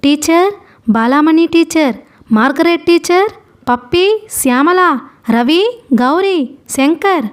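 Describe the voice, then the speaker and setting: A woman narrator voicing a frightened, injured young woman lost in a forest, calling out loudly with her pitch raised. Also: animated, slow, pauses often, full character voice.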